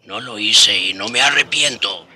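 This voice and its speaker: A man's voice: lowish voice, a little slow, bright, forceful tone, breathy edge, full character voice. An actor playing a weary, humble old Indigenous prisoner, telling his story in a dramatic, reflective radio drama style. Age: older. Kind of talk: radio drama acting and narration. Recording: radio drama with faint background music.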